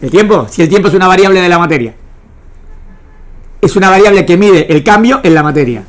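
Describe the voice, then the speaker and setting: A religion teacher with an Argentine Spanish accent gives an interactive lecture to a small class in a lowish, animated voice, speaking a little fast. She is didactic, repeating phrases and frequently asking whether it is understood.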